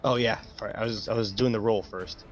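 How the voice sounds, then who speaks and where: A man's voice: on the low side, steady tone, fairly quick, faint music behind. A man playing a tabletop game, describing his moves in casual chat through a dull lo-fi mic.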